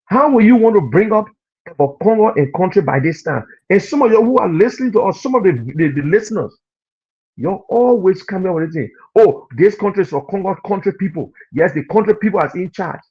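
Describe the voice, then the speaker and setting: A Liberian man with a Liberian accent delivers heated political commentary in a high, swooping voice. His husky tone comes through dull, lo-fi broadcast audio. He hammers home each point by repeating it. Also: expressive, a little fast, a little mellow. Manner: preachy, scolding, repeats points for emphasis. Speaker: radio and TV commentator.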